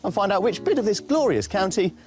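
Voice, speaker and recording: A man's voice: high-pitched, sing-song, a little fast. A man presenting a TV property show, delivering scripted narration in an upbeat way.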